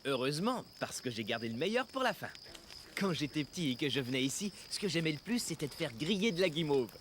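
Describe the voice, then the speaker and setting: A man playing a warm, reassuring father in a cartoon, gently explaining things. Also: a little high, big pitch swings, fast talker. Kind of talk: French cartoon dubbing. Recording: noisy soundtrack with clicks.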